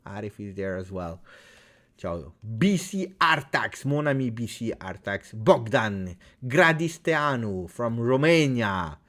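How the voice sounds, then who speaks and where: A man with an Italian accent, French his first language, hosts a live fan stream. His voice sits at an ordinary middle pitch, and he chats loosely and greets viewers one by one by name. His volume swings from loud bursts of cheering down to quiet mumbles. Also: sing-song, slow. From Italy. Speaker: football fan livestream host. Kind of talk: live stream chat reading viewer comments.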